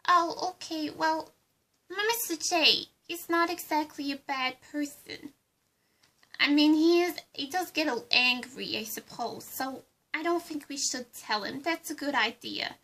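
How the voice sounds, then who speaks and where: A woman's voice: high-pitched, unhurried, pushed and bright, exaggerated voice. A woman voicing a giddy, unhinged female villain with a put-on accent in a fan roleplay, bubbly and eager to please.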